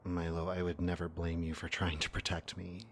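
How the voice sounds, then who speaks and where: Male actor as weary ailing man, very low voice, measured, soft-spoken, knowing, protective, audio drama. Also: monotone. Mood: knowing, gentle. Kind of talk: fiction podcast acting.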